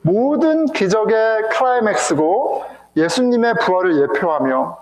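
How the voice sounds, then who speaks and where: A man's voice: sits high, expressive, measured pace, echoey room, low-quality recording. A male pastor preaching an emotional sermon with rhetorical questions to his congregation, in a church sanctuary.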